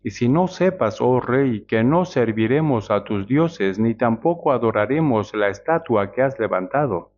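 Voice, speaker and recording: A male preacher giving a measured sermon, often asking the congregation rhetorical questions. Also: medium pitch, expressive, darkish tone. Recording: dull lo-fi sound.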